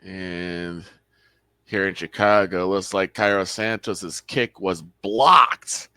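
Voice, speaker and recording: A young man gives casual color commentary, breaking down calls in a chatty way. His voice is on the low side. It is recorded dry, with no room sound. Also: takes it slowly, pushed and bright, clean tone, no room sound. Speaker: sports show co-host.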